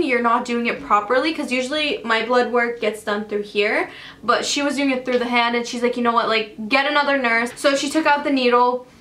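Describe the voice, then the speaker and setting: A woman's voice: sits high, roomy sound. A young woman from Canada telling a dramatic storytime to her vlog viewers, full of fillers and restarts. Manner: dramatic, animated retelling with many fillers. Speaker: vlogger.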